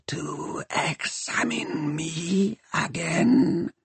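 A rasping undead machine-man. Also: a little high, pitched above the performer's own voice, heavily acted. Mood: cold menace. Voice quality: whispery, grating rasp. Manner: slow, flat and menacing.

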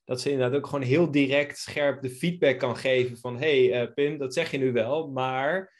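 A man's voice: mid-range voice, fairly even intonation, moderate pace. A man hosting a casual podcast, reflecting and affirming his guest. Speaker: podcast host. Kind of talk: casual conversation.

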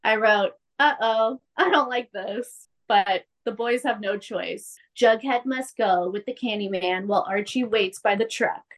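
A woman's voice: measured pace, few pauses. A young woman co-hosting a casual podcast, recapping a TV episode and acting out the characters' lines with big jumps in her voice. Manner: animated storyteller, acts out characters' lines with big pitch jumps. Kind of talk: casual chat.

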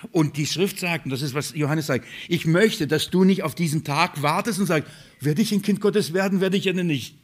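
A man preaching a sermon, emphatic and direct, asking rhetorical questions and calling his listeners beloved. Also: on the high side. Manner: emphatic, rhetorical questions, swings between loud stresses and quiet drops. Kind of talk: sermon on a Bible letter.

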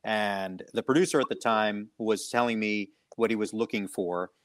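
A man who works as a voice director and actor, telling a story in relaxed, casual panel chat. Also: fairly low pitch, moderate pace, no room sound, studio quality. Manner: relaxed storyteller, jokes easily.

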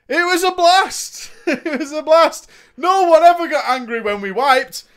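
A man's voice: extremely high pitch, takes it slowly, a bit bright. A man reading a gaming story aloud, breaking off for sarcastic comic asides and frequent laughter. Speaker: story reader.

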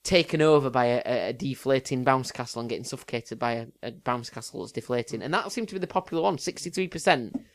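A man co-hosting a podcast in casual chat, gently teasing and feeling his way through sentences. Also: medium pitch, fast, hardly any pauses. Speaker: podcast co-host.

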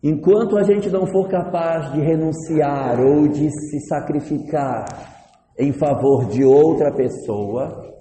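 A man's voice: a little high, takes it slowly, dark tone. A man giving a conversational storytelling talk about love. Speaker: lecturer. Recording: echoey hall, faint noise.

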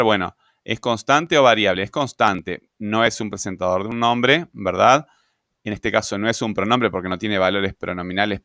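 A man explains sentence grammar in a fairly low voice. He asks questions and answers them himself, tags lines with "¿verdad?", and fills pauses with "eh" and "este". The recording is dry, with no room echo. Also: a bit bright. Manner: asks and answers his own questions, adds tag questions; repeats words, fillers "eh" and "este". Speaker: grammar teacher.

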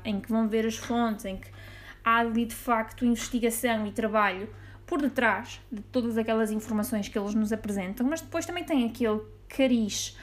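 A woman with a European Portuguese accent hosting a casual solo podcast, chatty and playful, laughing at her own jokes. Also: fairly high pitch. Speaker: podcast host.

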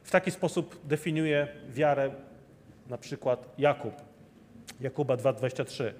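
A man's voice: mid-range voice, a little slow, darkish tone, a little hiss or hum. A man preaching a sermon, earnestly repeating rhetorical questions to his listeners. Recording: long hall reverb.

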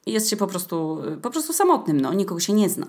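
Talking fast and with lots of animation, this young podcast host has a medium-pitched, slightly mellow voice. She carries a casual solo show on her own, her tone conversational and full of playful irony.

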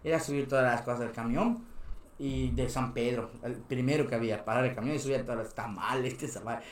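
A man's voice: mid-range voice, quick pace, slight background noise. A young man with a Mexican accent, a podcast guest telling casual stories, laughing often and acting out other people's voices. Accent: Mexican Spanish. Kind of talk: casual storytelling. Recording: echoey room.

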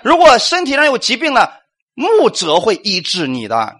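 High, animated male preacher. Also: normal speed, slightly rough. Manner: animated, rhetorical questions, acts out quotes, calls for amens. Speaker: pastor. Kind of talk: sermon.

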